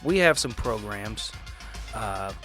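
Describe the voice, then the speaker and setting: Lowish-voiced man improvising at a game table. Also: lively intonation, fairly bright tone, faint music behind. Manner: casual, halting, persuasive. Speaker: player in a tabletop roleplaying game. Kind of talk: improvised in-character negotiation and table talk.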